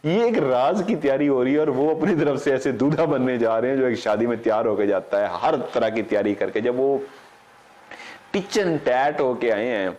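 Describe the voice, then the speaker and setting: A man's voice: mid-range voice, moderate pace, muffled recording. A middle-aged man, casually telling a story as a paranormal show host, acting out the dialogue and stopping to correct himself. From Pakistan. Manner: animated, acts out quoted dialogue, digresses and corrects himself.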